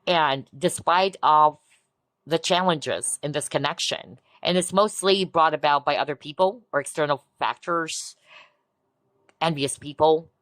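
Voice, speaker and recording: A woman giving a collective tarot reading in a soft, reassuring way, often breaking into amazed exclamations. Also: low voice, no room sound. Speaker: tarot reader. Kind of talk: pick-a-card tarot reading.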